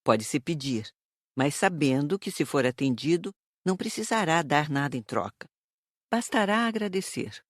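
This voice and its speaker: Measured actress as a woman spirit teacher. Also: deep voice, expressive, dry recording, clean studio sound. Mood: instructive, earnest. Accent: Brazilian. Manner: didactic, measured. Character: Dona Isaura, calm instructive woman spirit teacher. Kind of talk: dramatized audiobook dialogue.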